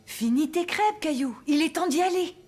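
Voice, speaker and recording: A woman voicing a gentle, practical young mother in a children's cartoon, guiding her child. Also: sits high, animated, moderate pace.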